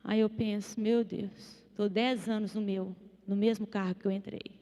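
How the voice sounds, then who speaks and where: A woman preaching a sermon in a church, animated, acting out the voices of the people she quotes. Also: mid-range voice, moderate pace. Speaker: psychologist preaching. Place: church hall. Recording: long church reverb.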